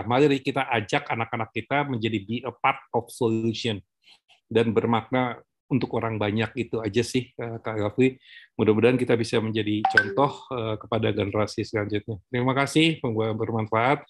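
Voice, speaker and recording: Man, talk-show guest, middle-pitched voice, hesitant delivery with many fillers, drops English terms. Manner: halting, many filler pauses and restarts. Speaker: guest speaker on parenting. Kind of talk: conversational talk-show discussion.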